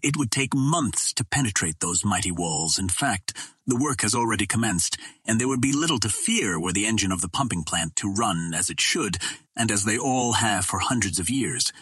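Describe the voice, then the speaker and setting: A grave alien monarch as read by a male narrator speaks in formal, solemn oratory. The voice is fairly low and husky, recorded dry, for an adventure audiobook. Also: lively intonation, moderate pace, a bit bright, no echo. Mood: grave, urgent. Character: grave alien ruler addressing his council.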